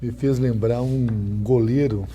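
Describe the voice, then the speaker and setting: A man's voice: mid-range voice, fairly even intonation, slow, mellow, slight background noise. An older Brazilian man hosting an interview, polite and formal, telling leisurely anecdotes from his reporting days. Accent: Brazilian Portuguese. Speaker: interview host, former reporter.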